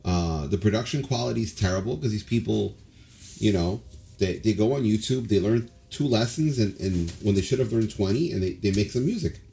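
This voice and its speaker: Man, low voice, casual chat, rambling, opinionated, filler-heavy. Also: expressive, a little fast, gravelly, mellow, slight background noise. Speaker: podcast co-host.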